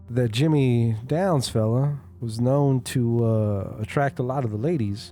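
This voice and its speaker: With music in the background, a man speaks at a fairly slow pace in a medium pitch, his loudness very even. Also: ordinary pitch variation. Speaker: tabletop RPG player. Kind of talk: casual chat.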